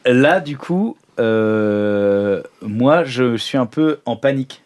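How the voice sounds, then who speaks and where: A man of medium pitch with very lively intonation, taking part in a tabletop game. He explains his moves informally and hesitantly. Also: slow pace. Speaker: role-playing game player. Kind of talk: casual improvised play, describing his actions.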